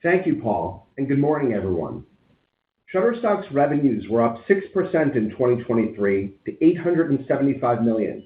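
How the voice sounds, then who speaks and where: A man in the role of a finance chief formally reads out scripted financial results on a conference call in a businesslike way. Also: medium pitch. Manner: formal, businesslike reading of figures. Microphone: conference call phone line. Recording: tinny, echoey conference phone line.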